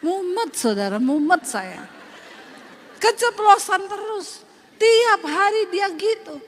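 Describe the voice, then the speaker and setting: A woman pastor from Sulawesi with a Sulawesi Indonesian accent, preaching a lively, humorous sermon straight to her congregation. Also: very high voice, takes it slowly. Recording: long hall reverb, faint noise.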